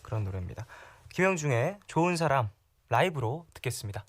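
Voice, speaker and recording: A man's voice: mid-range voice, very animated, fairly quick, very noisy. A young man hosting a late-night radio show, asking guests eager questions and laughing often. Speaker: radio host. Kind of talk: casual radio chat.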